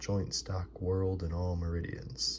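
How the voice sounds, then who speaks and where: With noticeable background noise, a soft-spoken man talks at a fairly slow pace in a very deep, low voice. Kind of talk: ASMR audiobook reading of a classic novel. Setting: some ambient background noise.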